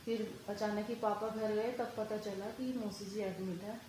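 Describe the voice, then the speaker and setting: A young woman with a hoarse voice from a fever and sore throat, talking casually and haltingly in a home vlog while doing housework. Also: mid-range voice, steady tone, a little mellow, slight background noise, low-quality recording. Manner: tired, halting, apologizing for her voice. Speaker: family vlogger.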